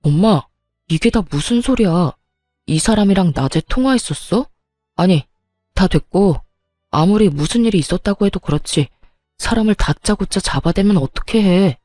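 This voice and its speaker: A woman voicing an exasperated young husband who shouts at his mother in a story drama. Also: mid-range voice, expressive, moderate pace, no echo, soft background music, lightly acted. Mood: angry.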